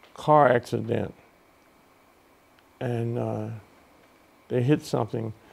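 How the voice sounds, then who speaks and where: A man with an American accent has a dark, mellow tone. His intonation is fairly even. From US South. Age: 80s+. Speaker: jazz musician. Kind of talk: lecture. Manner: halting.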